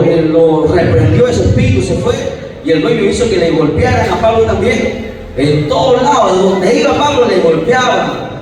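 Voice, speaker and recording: A man preaching an interactive sermon, emphatic and swinging between loud and soft, who questions the congregation and calls on members by name. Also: sits high. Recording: echoey hall, far from the mic, faint noise.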